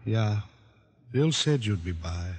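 A man's voice: fairly low pitch, animated, slow, loud music behind the voice. An actor playing a wary, curt hardware shop man in a 1940s-style radio drama. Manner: curt, suspicious.

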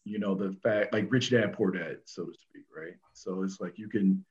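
Male co-host, low monotone, muffled lo-fi audio. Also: normal speed. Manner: conversational, filler-heavy explaining. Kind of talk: casual interview. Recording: dull lo-fi sound.

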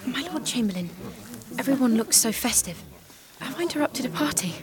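An actress playing a humble, devout young peasant maiden who speaks earnestly and softly in a radio drama. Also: female voice, fairly high pitch, expressive, brisk, a crowd in the background, lightly acted. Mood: timid. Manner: earnest, gentle, soft-spoken.

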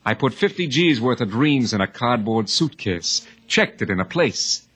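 A husky-voiced, hardened bank robber on the run in a 1950s radio drama. He broods with wounded pride and threatens in clipped tough-guy phrases, at a middling pitch. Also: big pitch swings, moderate pace, fairly bright tone. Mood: menacing.

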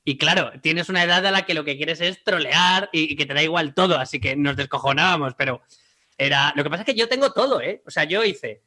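A man's voice: a little high, fairly quick, sharp tone. A man from Spain with a Spanish accent, a comedian guest telling wry stories in casual chat. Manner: dry, wry storytelling.

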